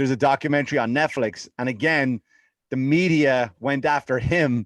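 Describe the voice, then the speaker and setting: In an Irish accent, a man with a fairly high pitch talks at a moderate pace with fairly even intonation, in a dry, close sound with no echo against a quiet background. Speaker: comedian. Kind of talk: casual chat.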